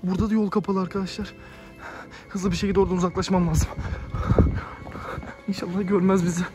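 A young man hosting a night-time horror vlog outdoors, excitable and panicky, often shouting and speaking straight to his viewers. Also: sits high, brisk, over music. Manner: keeps addressing viewers as friends. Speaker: YouTuber host.

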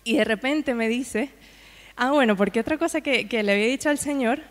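A woman's voice: a little high, fairly quick. A woman preaching, telling a personal testimony to a congregation in a conversational way with frequent asides. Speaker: guest preacher. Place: church hall. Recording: long hall reverb.

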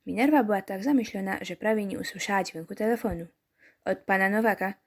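A woman reads a story game aloud in a mid-pitched voice. She keeps stopping to add wry, chatty comments for her viewers, in the easy tone of a let's-play. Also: fast talker.

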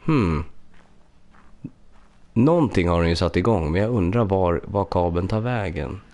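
Low-voiced man streaming a puzzle game. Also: animated, a little mellow. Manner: thinks aloud, chats with viewers. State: slightly congested from a cold. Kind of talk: casual live-stream commentary. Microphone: USB studio microphone.

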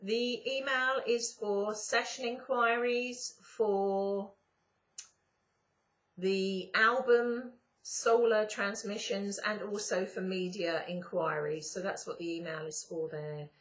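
A middle-aged woman with a croaky morning voice, talking to her webcam from a sofa at home in a slow spiritual monologue with drawn-out pauses. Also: mid-range voice, steady tone, fairly bright tone. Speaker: spiritual channeler and YouTuber. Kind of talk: casual spiritual monologue to camera. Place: indoors, sitting on a sofa at home. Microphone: webcam at close range. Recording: slightly dull webcam audio.

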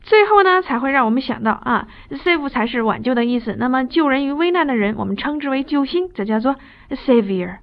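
A woman English teacher giving a recorded classroom lecture, switching between quick chatty explanations and slow drilled phrases. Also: high voice, expressive. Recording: dull lo-fi video lecture audio.

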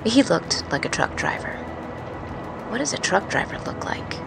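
A woman playing a wary, haunted truck driver in an intimate, confiding, halting audio-drama monologue. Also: medium pitch, sing-song, vocal fry, noisy background. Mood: dread. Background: music.

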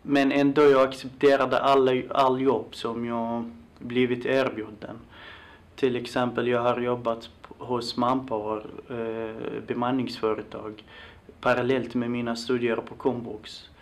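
Flat-toned young man, foreign accent. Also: medium pitch, measured pace. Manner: hesitant, restarting. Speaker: interviewee, young migrant.

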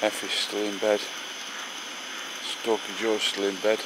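A man's voice: on the low side, little pitch movement, measured pace. Brief: middle-aged man, friendly banter, camp vlog on camera mic, noisy outdoors. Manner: chatty, affectionate banter. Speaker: vlogger filming a camping trip. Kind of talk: casual chat to camera. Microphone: handheld camera, selfie distance. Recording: outdoor camera audio with clear background noise.

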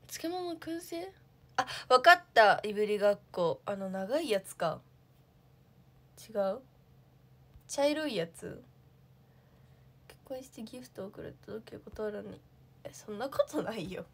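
A woman's voice: medium pitch, expressive, a little slow, long pauses, darkish tone. A young woman, an idol, chatting casually on a livestream, answering viewer comments and thinking aloud with lots of fillers.

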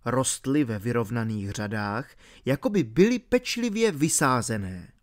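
A man narrating an audiobook in a lively, expressive way. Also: mid-range voice.

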